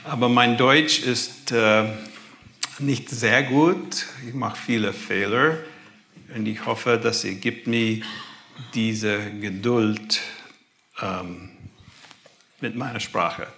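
Brief: American-accented man, guest speaker, slow and halting delivery, bright forceful tone, hunts for words and drifts into English. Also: fairly low pitch, fairly even intonation, a little hiss or hum. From grew up in the USA. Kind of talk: personal faith testimony.

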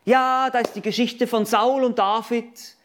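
A man's voice: very high-pitched, fairly even intonation, measured pace, a bit bright. A man preaching a sermon, emphatic, asking his listeners questions and stacking up repeated phrases as he talks to them directly.

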